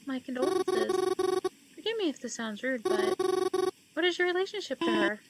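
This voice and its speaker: A woman voicing a calm young woman who attends funerals, speaking softly and consolingly. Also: very high-pitched, moderate pace, over loud music, pitched above the performer's own voice, low-quality recording. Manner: soft, consoling. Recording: loud background noise.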